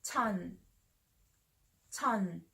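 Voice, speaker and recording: A young woman teaching a language lesson, saying each word twice with slow, careful delivery, indoors in front of a camera. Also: medium pitch, lively intonation, creaky, bright, forceful tone. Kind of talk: slow clear repetition of words. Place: bright indoor room, seated.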